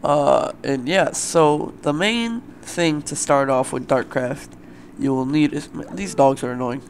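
Young guy doing lets play commentary, kinda raspy morning voice, loose and filler-y, faint room noise. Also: on the high side, unhurried. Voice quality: loose, rambling, filler-heavy. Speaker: let's play host. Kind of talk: casual gameplay commentary.

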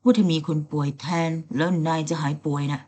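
A woman's voice: low-pitched, a little fast, a little mellow, lightly acted. A woman doing a sulky, sly young man. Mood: teasing. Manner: sulky, sarcastic and teasing.

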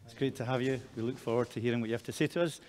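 A man chairing a church assembly, thanking speakers with many filler pauses. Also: mid-range voice, steady tone, a little mellow, a little hiss or hum. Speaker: assembly moderator. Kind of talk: formal chairing of a meeting. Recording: reverberant hall with faint ambience.

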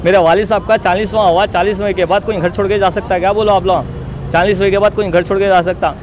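A young Hyderabadi man with a high-pitched voice speaks quickly and in a steady tone, giving a statement to local news reporters. He is insistent, repetitive and self-justifying as he offers his personal testimony outdoors beside a street wall, with street noise in the background.

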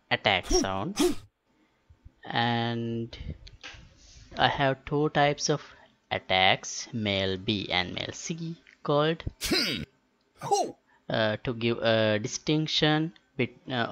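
Sri guy doing a software tutorial, slow n halting, bit gravelly, muffled lo-fi mic. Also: medium pitch. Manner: halting, matter-of-fact. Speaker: tutorial host. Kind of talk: step-by-step software tutorial narration. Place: indoors, screen-recording voice-over. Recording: dull lo-fi voice-over with clicks.

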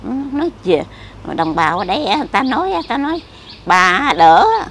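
A woman's voice: medium pitch, very animated, fairly quick, a bit bright, a little hiss or hum. An older woman, frail, chatting in a rambling, repetitive way as she is interviewed outdoors. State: frail, weak. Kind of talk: casual chat. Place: outdoors near a cemetery.

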